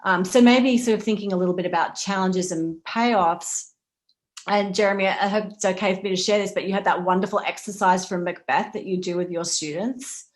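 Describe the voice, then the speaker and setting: A woman's voice: medium pitch, steady tone, a little fast. A woman moderating a panel discussion in a conversational way, thinking aloud in qualified, exploratory phrases.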